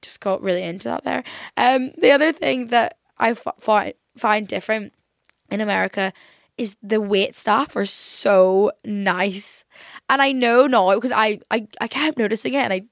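Young northern irish girl doing a chatty podcast monologue, slangy n rambly, croaky fry, dry room. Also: medium pitch, normal speed, no echo. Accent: Northern Irish, softened. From Northern Ireland. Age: young adult. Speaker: podcast host.

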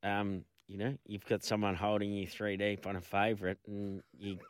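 A man's voice: lowish voice, level tone, normal speed, very noisy. A middle-aged man hosting a casual chat, telling stories in a rambling way with lots of fillers. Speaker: host.

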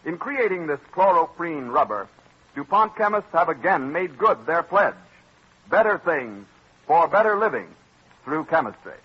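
A middle-aged man reading a scripted sponsor message and announcements in a formal, measured old-time radio announcer manner. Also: a little high, sing-song, breathy edge. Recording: dull lo-fi old radio broadcast recording.

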